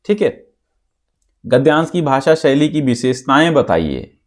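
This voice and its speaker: Male teacher, exam-prep lesson: slow delivery, reads verse deliberately, explains step by step, repeats key phrases. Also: medium pitch, sing-song. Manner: recites verses slowly, then explains line by line; often checks in with students, repeating phrases.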